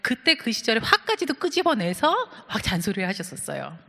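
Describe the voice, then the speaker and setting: A woman's voice: medium pitch, very animated, fairly quick, vocal fry, pushed and bright. A woman pastor preaching a sermon, telling stories and asking the congregation questions. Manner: storytelling, asks the congregation questions. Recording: church hall reverb.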